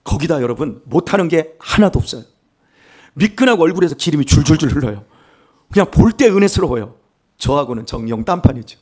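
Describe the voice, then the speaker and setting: An older male pastor with a Chungcheong accent preaching a sermon in church, animated and self-mocking with humor. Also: fairly high pitch, fairly quick, husky. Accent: Chungcheong Korean. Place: church sanctuary.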